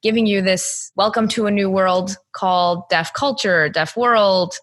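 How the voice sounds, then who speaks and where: A woman's voice: mid-range voice, steady tone, measured pace. Woman podcast host asking questions. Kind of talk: podcast interview.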